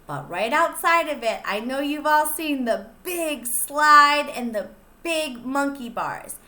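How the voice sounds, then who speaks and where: A young woman pre-K teacher reading a picture book aloud to small children, slow and gentle, stopping to ask them questions. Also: high voice, expressive, echoey room. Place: classroom.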